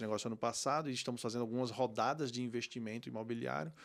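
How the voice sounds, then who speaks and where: A man's very fast speech with ordinary pitch movement, on a very clean recording against a silent background. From Brazil, Northeast (Maceió). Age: 40s. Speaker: entrepreneur. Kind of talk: podcast interview.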